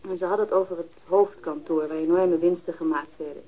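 An actress in a Dutch radio crime drama plays a woman who uses drugs, giving frank testimony in a matter-of-fact, recounting way. Her natural voice is fairly low, steady and brisk, heard through a dull, lo-fi archived radio recording.

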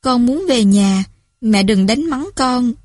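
A woman's voice: a little high, lively intonation, slow pace, darkish tone, no echo, clean studio sound. A woman voicing a drunk, frightened teenage girl on the phone to her mother, slurring and stammering as she pleads. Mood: slurred, frightened.

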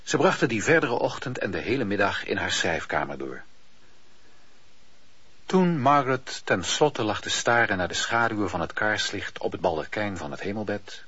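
A man with a husky voice narrating a Dutch radio play as a scripted storyteller. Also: on the low side, fairly bright tone, dry recording. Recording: dull, muffled old radio-play recording.

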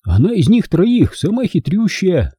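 Frightened young boy, voiced by a man, hoarse whisper, high pitch, dark mellow tone, storybook. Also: wildly swooping pitch, unhurried, dry recording, studio quality, full character voice. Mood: worried.

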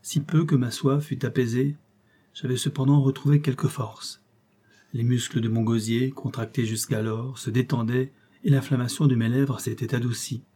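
A man narrating a classic novel in a steady, expressive reading. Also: medium pitch, normal speed, husky. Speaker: audiobook narrator. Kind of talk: scripted narration.

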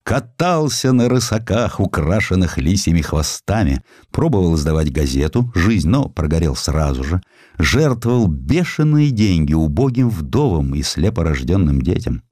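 A man's voice: sits low, very animated, normal speed, darkish tone, no room sound, clean studio sound. A man narrating historical sketches as a theatrical storyteller in a dramatized audiobook.

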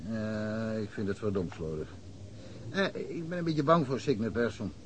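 An actor playing a chatty rural police chief in a radio play, rambling through anecdotes. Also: male voice, on the low side, unhurried, natural voice. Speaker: village policeman. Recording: old radio play with faint hiss.

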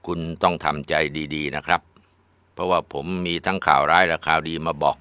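A man voicing a doctor who gives bad news slowly and formally. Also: a bass voice, fairly even intonation, sharp tone, clean tone, dry recording. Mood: grave. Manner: slow, measured, formal. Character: calm male doctor, grave.

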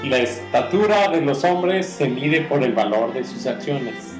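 A man with a Mexican accent playing a righteous, fussy, over-polite gentleman in an old-fashioned radio play. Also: mid-range voice, expressive, a little slow, over music, natural voice. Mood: solemn. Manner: pompous, formal, over-polite diction. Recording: roomy, noisy ambience with crowd behind.

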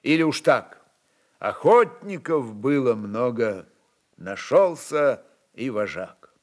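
A man narrating historical fiction in a measured, expressive, deliberate way. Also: medium pitch. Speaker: narrator reading a literary work. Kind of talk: dramatic literary narration of a historical novel.

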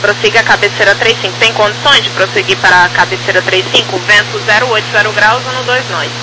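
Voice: medium pitch, steady tone, quick pace. Brazilian tower controller over noisy aviation radio. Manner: formal, reciting numbers digit by digit. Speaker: air traffic controller in an airport tower. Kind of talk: clipped procedural radio commentary. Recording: noisy radio transmission with hum.

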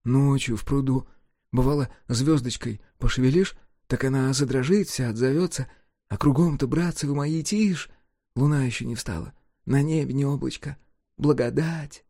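A man voicing a dreamy, sighing male mirror reflection in an audiobook, speaking in a raised, soft, folksy tone. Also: mid-range voice, normal speed, dry recording, clean studio sound, voice pushed up, close to an everyday voice. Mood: wistful. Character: wistful male mirror reflection, once lived in a pond.

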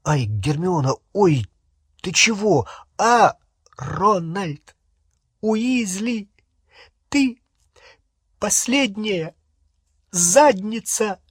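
A man's voice: very animated, a little slow, fairly bright tone, breathy edge, no room sound, studio quality, full character voice. A man doing a shrieking furious teen witch. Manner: shrill, screaming, sarcastic.

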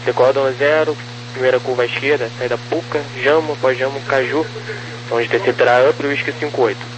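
A man with a Brazilian accent giving clipped air traffic control clearances over aviation radio. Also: mid-range voice, fairly even intonation, brisk. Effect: aviation radio communicator. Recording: noisy, humming aviation radio.

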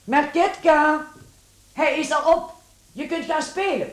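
A woman's voice: high-pitched, animated, takes it slowly. An actress playing a worried mother in a radio play, calling out and urging her grown son. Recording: echoey room.

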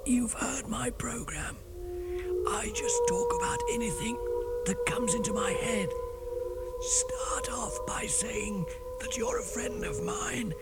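A man's voice: extremely high pitch, animated, a little slow, vocal fry, few pauses, voice pushed up, exaggerated voice. A man voicing a male radio DJ who has lost his voice and can only whisper, coaxing and urgent. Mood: pleading whisper. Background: music.

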